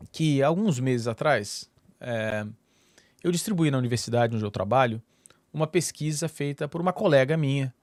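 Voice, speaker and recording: A man's voice: fairly high pitch, darkish tone, dry recording. Brazilian man hosting a casual video. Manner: rambling, many fillers and restarts. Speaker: YouTube channel host. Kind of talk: casual solo talk to camera.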